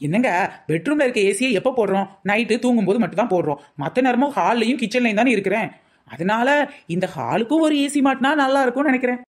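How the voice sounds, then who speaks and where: A sharp-tongued cartoon housewife fires sarcastic comebacks at her husband, as a woman acts her out. She talks quickly in a somewhat high voice and never stops needling. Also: lively intonation. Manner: sarcastic, snappy retorts. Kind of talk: cartoon comedy voice acting.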